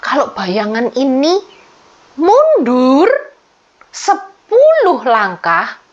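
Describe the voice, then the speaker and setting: Lively high-voiced woman telling kids a story. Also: drawn-out words. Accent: Indonesian, Surabaya. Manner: animated, addresses children often with questions; acts out characters' speech in the story. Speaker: Sunday school teacher. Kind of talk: Bible story telling for children. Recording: slightly dull lo-fi sound.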